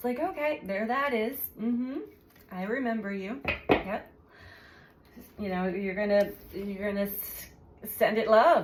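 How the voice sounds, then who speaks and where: In a room with audible echo, a woman speaks fairly slowly in a fairly high voice, her intonation lively and her pauses long and frequent. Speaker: tarot reader and life coach. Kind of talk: tarot card reading. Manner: speaking quietly; hesitant, many fillers.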